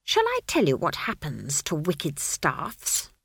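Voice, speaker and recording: A bossy old witch , put on by a woman reading aloud, scolds in clipped, imperious bursts. Her lowish voice swoops up and down with bright, cutting force. The sound is close and dry, like a storybook reading. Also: huge pitch swings, slow pace, gravelly, slightly rough, dry recording, heavily acted. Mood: menacing. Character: stern old witch, sharp-tongued and commanding. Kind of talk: audiobook character voice.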